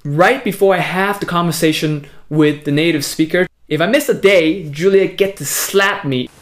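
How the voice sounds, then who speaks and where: A man's voice: on the high side, normal speed. A man in his thirties, born in Hong Kong and raised in California, giving an upbeat, casual video update to camera. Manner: upbeat and energetic, punchy emphasis on key words. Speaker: vlogger on a language challenge.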